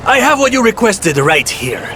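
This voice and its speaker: An actor playing a sly, smooth-talking Spanish black marketeer with a Spanish accent in a video game. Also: male voice, sits high, sing-song, moderate pace, pushed and bright, slight background noise, heavily acted. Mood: pleased, oily. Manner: wheedling salesman's patter peppered with Spanish. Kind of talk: video game cutscene acting.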